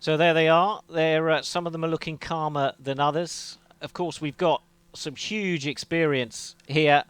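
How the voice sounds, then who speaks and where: A man with a smooth, clear voice hosts live event commentary, and he sounds upbeat and enthusiastic throughout. The sound is dry and close, with no room echo. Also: a little high, fairly even intonation, a little slow, a bit bright. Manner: upbeat, enthusiastic, some filler words. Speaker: esports commentator and host. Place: gaming center event studio.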